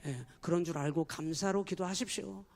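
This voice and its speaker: Male pastor, high voice, emphatic sermon, keeps calling out to the congregation. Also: fairly quick, creaky, a little mellow. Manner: emphatic preaching, addressing the congregation constantly. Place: church.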